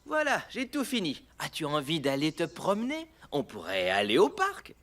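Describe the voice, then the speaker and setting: A man voicing a kind, patient cartoon dad, gently explaining things and encouraging his young son. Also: on the high side, huge pitch swings, normal speed. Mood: patient, friendly.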